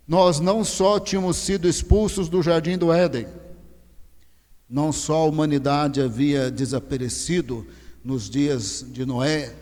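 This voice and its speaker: A male pastor preaching a sermon, swinging from low, slow emphasis to loud, rising exhortation. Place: large church hall. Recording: long church reverb.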